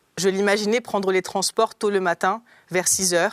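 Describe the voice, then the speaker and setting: A woman talks with a dry, close sound with no echo. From southern France. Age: 20s. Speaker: author and journalist. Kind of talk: reading aloud. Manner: hesitant, many fillers.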